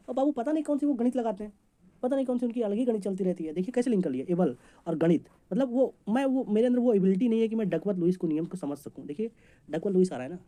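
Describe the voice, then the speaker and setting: Fast-talking male exam teacher. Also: high-pitched, warm tone. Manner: rapid, chatty, jokey teaching with homely examples. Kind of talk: memory-trick lesson for competitive exams.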